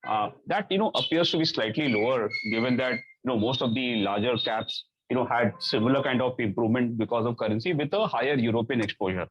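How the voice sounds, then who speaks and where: A man's voice: mid-range voice, fairly quick, hardly any pauses, husky, no echo, lo-fi sound. A man asking questions as an analyst on an earnings call, polite, hesitant and roundabout, over a conference line. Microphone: phone or conference call line.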